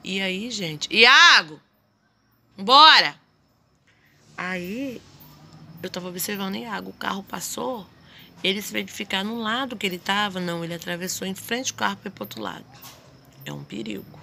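A woman in her thirties from Brazil, vlogging casually at home on her phone and chatting warmly to her viewers. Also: mid-range voice, normal speed, creaky, long pauses, slight background noise. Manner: chatty, gushing, addresses viewers as "gente". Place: house porch and kitchen at dusk. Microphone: handheld phone at arm's length.

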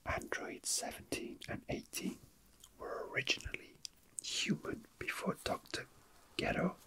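Someone whispering breathily and unhurriedly, murmuring casually to themselves in an ASMR style, close to the microphone. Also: poor audio. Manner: soft, unhurried, murmuring to self. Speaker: toy unboxing video host.

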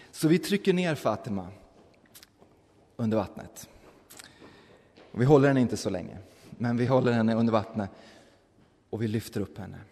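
A man's voice: mid-range voice, warm tone. A man preaching in a church, telling a story in an easy, conversational tone and restarting his sentences now and then. His voice sits in a middle register, and a long reverb from the church hall trails after every phrase. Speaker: pastor. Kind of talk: sermon storytelling.

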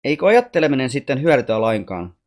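A man's voice: medium pitch, big pitch swings, lightly acted. A curious human boy from Earth, full of questions and a little unsure, as a man reads him. His questions come out plainly and earnestly, in the manner of a storybook child. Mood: curious, doubting.

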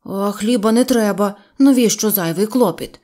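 A woman's voice: medium pitch, moderate pace, mellow, lightly acted. A woman voicing a greedy, good-natured male bear cub who talks eagerly and stammers, for a storybook.

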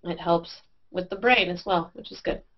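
A woman's voice: lowish voice, moderate pace. A woman in her thirties co-hosting a live science webcast from home on a headset, bantering playfully and laughing often. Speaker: science show co-host. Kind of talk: casual chat on a live webcast. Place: bedroom at home, indoors. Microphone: headset mic, video call. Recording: dull lo-fi webcast audio.

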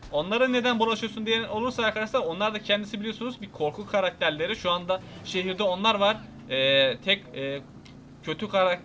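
A young man giving excited, playfully menacing commentary over his own gameplay, repeating lines and talking to his viewers. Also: high-pitched, a little hiss or hum. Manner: loud, repetitive, playfully menacing banter. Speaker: gameplay video host.

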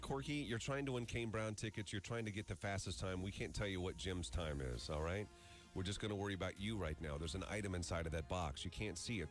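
Low-pitched man hosting morning radio. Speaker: radio morning show host. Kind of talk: casual radio game-show chat. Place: small foam-padded radio studio. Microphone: close studio condenser mic. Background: music bed.

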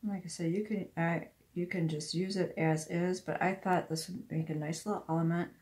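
A woman's voice: lowish voice, fairly even intonation, normal speed, a little mellow. A woman giving a casual hands-on craft demonstration, talking herself through each step. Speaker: craft tutorial host, independent product demonstrator. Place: indoors at a wooden craft table.

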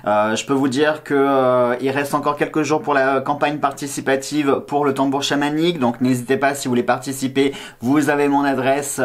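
A man in his thirties chats to his viewers as a card-reading host, with a slight slushy lisp on his s sounds. His pitch is ordinary for a man, and his delivery is playful and hesitant, wandering off into asides. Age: 30s. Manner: playful, self-teasing, hesitant and digressive. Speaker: tarot card reader and video host. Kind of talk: casual chatty vlog to camera. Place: small indoor room, seated at a table.

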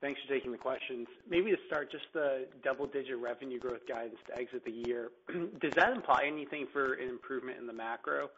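A man's voice: mid-range voice, brisk, few pauses, a bit bright. A male financial analyst asking prepared questions on an earnings call. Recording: muffled, noisy conference call line with clicks.

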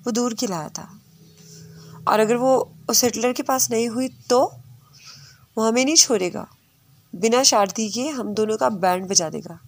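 A woman's voice: a little high, unhurried, long pauses. A woman reading the part of a worried young man who speaks in cold, curt commands.

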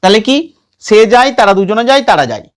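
A man teaching a lesson. He patiently recites verb forms over and over in a slow chant and keeps checking that students follow. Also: high-pitched, animated. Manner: checks in with listeners often. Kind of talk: classroom lesson with recitation drills.

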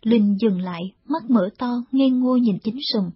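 A woman narrating a war novel in a steady, measured storytelling read, in a dull lo-fi audiobook recording. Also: a little high, breathy edge, no room sound.

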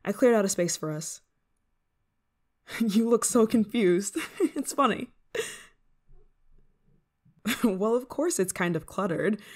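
A woman's voice: mid-range voice, a little mellow, lightly acted. A woman playing an eager, affectionate, scatterbrained novice witch in an ASMR roleplay, coaxing the listener in a giggly manner. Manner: giggly, coaxing, hesitant asides. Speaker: roleplay voice performer.

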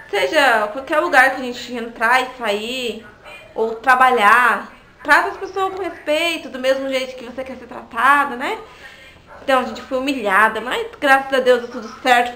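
A woman's voice: high voice, bright, forceful tone. A young adult woman telling a story in a casual vlog, chatty and often turning to her viewers. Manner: chatty, often asks the audience "né, gente?". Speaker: vlogger.

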